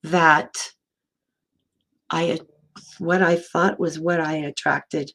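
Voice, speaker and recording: A woman minister giving a gentle, storytelling sermon in a slightly hoarse voice, slowing and softening for emphasis. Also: sits low, fairly even intonation. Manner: gentle storytelling, slows and drops to near whisper for emphasis. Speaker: interim minister. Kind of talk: sermon talk.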